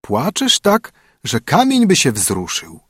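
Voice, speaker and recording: A man voicing a pleading female frog from a well, speaking in a coaxing, drawn-out way. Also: a little high, wildly swooping pitch, fairly bright tone, breathy edge, no room sound, clean studio sound, voice pushed up, full character voice.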